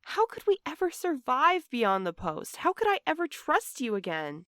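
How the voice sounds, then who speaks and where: A woman's voice: high-pitched, wildly swooping pitch, normal speed, fairly bright tone, dry recording, studio quality, full character voice. An actress playing a guarded, exasperated and sarcastic woman in an audio drama, speaking bluntly. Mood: bitter, distrustful. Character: exasperated, guarded, sharp-tongued woman facing her double. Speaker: fiction podcast actor.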